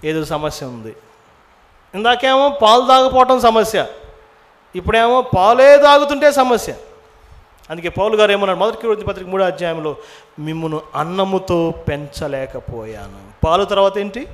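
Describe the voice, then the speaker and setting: A man's voice: sits high, animated, moderate pace. A man preaching a Bible-teaching sermon. He keeps asking the audience questions and mixes English words into his speech.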